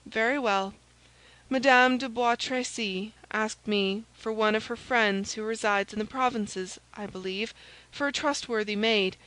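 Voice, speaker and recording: A woman voicing a discreet, courteous gentleman musketeer in a storybook, polite and measured. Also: a little high, no echo, poor audio.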